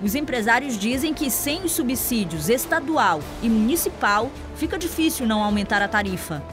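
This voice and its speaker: A woman reporter with an Amazonas Brazilian accent reads a scripted news voice-over. Her high voice stays measured and informative. Clear music runs underneath. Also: expressive. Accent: Brazilian Portuguese, Amazonas.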